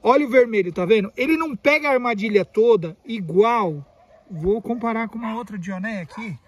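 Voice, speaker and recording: A man with a fairly high voice and a Brazilian Portuguese accent talks in a loose, playful vlog manner, sometimes mangling words on purpose. He is outdoors in a garden by a pool, caught on a phone's own mic rather than a proper microphone. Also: expressive, fairly quick. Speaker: carnivorous plant grower and channel host. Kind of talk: casual vlog chat. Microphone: phone built-in mic, no external mic.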